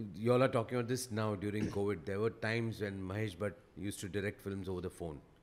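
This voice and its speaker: In a South Indian accent, a man talks very fast with a fairly low pitch. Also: ordinary pitch variation. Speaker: actor. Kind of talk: casual chat. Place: studio. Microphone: studio mic.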